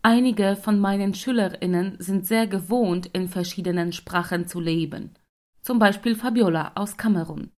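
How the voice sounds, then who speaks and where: A woman's voice: mid-range voice, moderate pace. Dry-voiced woman narrating. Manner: dry, matter-of-fact. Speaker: narrator and German teacher. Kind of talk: scripted radio narration.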